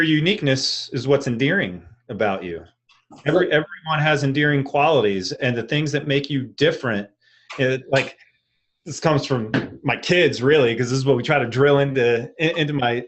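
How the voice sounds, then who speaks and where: A man's voice: medium pitch, fairly bright tone. A middle-aged man with a Philadelphia accent, talking casually and earnestly as a panelist, repeating points for emphasis. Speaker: real estate industry panelist. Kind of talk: casual panel talk, personal anecdotes.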